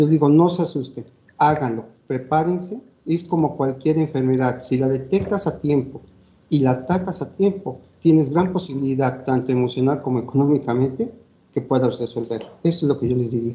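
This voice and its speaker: Somewhat breathy, a man's fairly high voice moves at a moderate pace with ordinary pitch variation. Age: 60s. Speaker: chemical engineer, COVID survivor. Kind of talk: interview. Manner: hesitant, many fillers.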